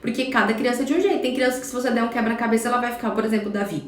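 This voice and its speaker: Higher-voiced Brazilian woman, parenting talk. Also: fairly even intonation, rapid-fire, echoey room, a little hiss or hum. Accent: Brazilian Portuguese. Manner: explanatory, addresses viewers directly, frequent "tá?" check-ins. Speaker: parenting educator. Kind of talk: live-streamed parenting talk. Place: home. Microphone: phone for a social media live.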